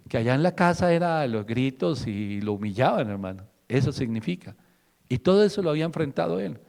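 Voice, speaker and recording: Male pastor, fervent preaching, fairly high voice, long hall reverb. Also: a little mellow. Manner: fervent, rhetorical, acts out quotes. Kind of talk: radio sermon.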